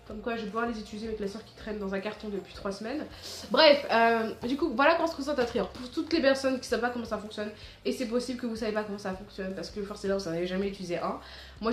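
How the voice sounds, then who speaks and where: A woman's voice: medium pitch, roomy sound. A teenage girl vlogging casual back-to-school tips in a chatty, rambling way, full of restarts and fillers. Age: teens.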